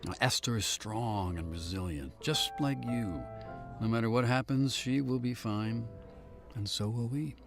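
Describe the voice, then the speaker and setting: An actor playing a devoted husband in an audio drama, reassuring and measured in manner. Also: male voice, mid-range voice, over music, natural voice. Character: steady, affectionate husband comforting his wife.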